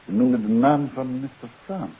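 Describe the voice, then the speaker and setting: An actor playing a shrewd, courteous detective in a 1950s Dutch radio play, measured and probing. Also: male voice, mid-range voice, slightly rough. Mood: composed. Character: shrewd male amateur detective, composed and probing. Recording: muffled, hissy old radio recording.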